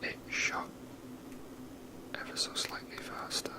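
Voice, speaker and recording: In slow, soft, breathy whispers, a person rambles casually through ASMR commentary while gaming. The audio quality is poor.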